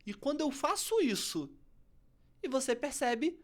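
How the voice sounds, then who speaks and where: A Brazilian woman, speaking as a coach in a podcast interview, explains public speaking in a high, unhurried voice. She is very expressive, swinging from firm, loud emphasis to soft near-whispers to show tone of voice.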